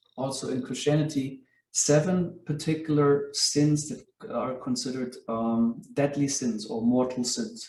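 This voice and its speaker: A very slow, dark and mellow voice with a non-native accent, in audible room echo. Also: man. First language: not English. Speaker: religious teacher. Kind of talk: lecture. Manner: halting, many fillers.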